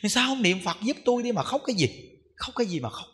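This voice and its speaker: A gravely ill old woman, as a monk puts her on, scolding her crying family in a hushed, lowered voice that still rings bright. The long reverb of a temple hall trails behind each phrase. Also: very animated, fast talker. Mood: calm scolding.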